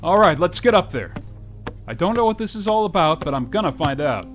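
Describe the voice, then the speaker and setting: A woman playing a gruff, take-charge county sheriff in an old-time style radio drama, folksy and commanding. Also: lowish voice, sing-song, fairly quick, faint music behind. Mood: brusque, commanding.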